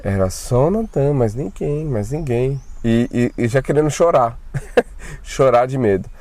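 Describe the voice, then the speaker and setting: A man casually recounting his own frightening experience, talking in a colloquial, animated way with slang and swearing. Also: medium pitch, a little slow, dry recording. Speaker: channel host telling his own spiritual experiences. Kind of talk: casual first-person storytelling.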